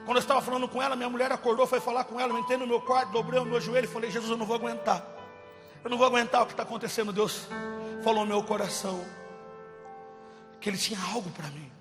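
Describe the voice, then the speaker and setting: Impassioned high-voiced male preacher. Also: fairly even intonation, very fast, long reverb tail, over music. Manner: impassioned, swings from loud cries to hushed. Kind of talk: testimony sermon.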